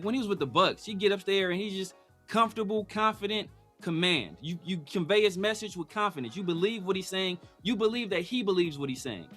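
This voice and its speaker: Emphatic, bright-voiced man arguing sports. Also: sits high. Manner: emphatic, argumentative, talks over co-host. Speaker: podcast host. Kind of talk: casual sports talk.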